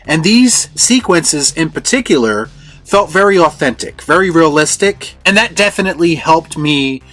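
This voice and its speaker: A man's voice: a little high, lively intonation, normal speed, fairly bright tone. A man hosting a video film review with scripted commentary. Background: background music.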